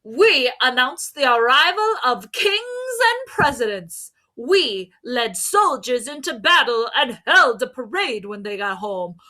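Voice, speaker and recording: Arrogant patriotic trumpets, put on by a woman, loud, brassy, high, bright, storybook boasting. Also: very animated, slow pace, hardly any pauses, heavily acted. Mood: boastful. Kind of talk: storybook character voice.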